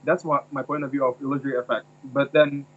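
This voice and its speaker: Here a young man, an Indonesian university student, hesitates and hunts for words during a relaxed discussion. His delivery is flat and quick at a medium pitch, captured in dull lo-fi quality.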